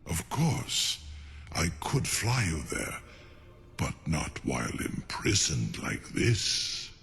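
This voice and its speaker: A proud, scheming ancient dragon for a fantasy video game. The voice is very deep and thick with gravel, and it moves slowly and formally, weighing each phrase with imperious care. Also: male voice, huge pitch swings, a bit bright, big-room sound, heavily acted. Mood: sly, bargaining. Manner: slow, deliberate, formal and imperious. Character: ancient captive male dragon, proud, cunning and grandiose.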